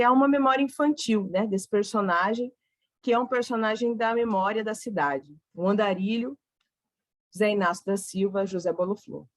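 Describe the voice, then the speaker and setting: Halting Brazilian woman lecturing. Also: mid-range voice, no echo. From Cuiabá, Brazil. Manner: hesitant, restarts phrases. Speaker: guest lecturer. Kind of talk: academic talk to an audience.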